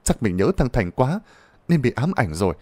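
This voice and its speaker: A man's voice: medium pitch, very animated, moderate pace, a little mellow, no echo, natural voice. A man voicing an older village mother, tearful and scolding over her lost son. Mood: subdued.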